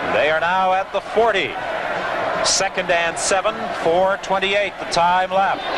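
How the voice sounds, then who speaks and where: Amid loud background noise, a man talks at a very slow pace with long, frequent pauses, in a dry sound with no echo. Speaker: play-by-play football commentator. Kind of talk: live sports commentary, 1978 broadcast.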